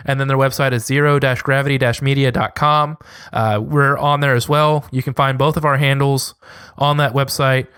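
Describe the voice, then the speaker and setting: A man's voice: mid-range voice, little pitch movement, moderate pace, fairly bright tone, smooth, no room sound, clean studio sound. A man co-hosting a casual podcast, rambling in a friendly way as he plugs his social handles. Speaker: podcast co-host. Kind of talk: casual podcast sign-off chat.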